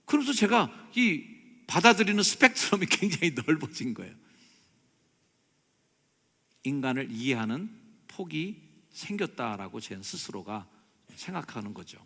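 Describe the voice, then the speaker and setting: Gravelly, bright-voiced pastor in a reverberant church. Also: male voice, fairly high pitch, moderate pace. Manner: animated, swings between loud exclamations and soft prayerful tones. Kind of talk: sermon. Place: church sanctuary. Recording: long church hall reverb.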